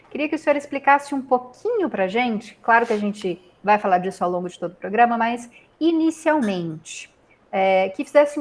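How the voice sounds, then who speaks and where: Here is a woman with an ordinary speaking voice and fairly high pitch. She moves at a moderate pace with lively intonation. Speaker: TV talk show host. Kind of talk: remote TV interview. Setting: remote video call.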